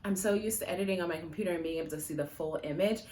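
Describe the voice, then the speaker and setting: Talking very fast in a darkish voice on the low side, a personal finance vlogger addresses her phone camera on a tripod at home. She's a first-language Jamaican Patois speaker whose casual, rambling vlog is full of fillers and laughter.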